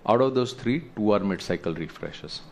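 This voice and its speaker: A man presents company results to investors as an executive, explaining slides in a measured, halting way. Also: on the low side, expressive, darkish tone, slight background noise. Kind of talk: earnings presentation to investors, talking through slides.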